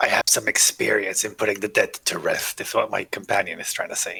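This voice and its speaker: Putting on a raspy character voice, a man talks at a fairly quick pace. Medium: actual play. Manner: polite, formal.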